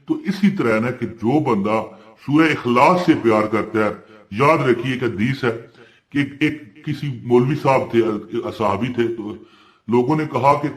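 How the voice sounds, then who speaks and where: A male Islamic preacher giving a devotional talk, chanting Quranic verses in a rising tone between plain explanations and answering his own questions. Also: mid-range voice. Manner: asks questions and answers himself. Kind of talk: devotional talk on a prayer practice. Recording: roomy echo.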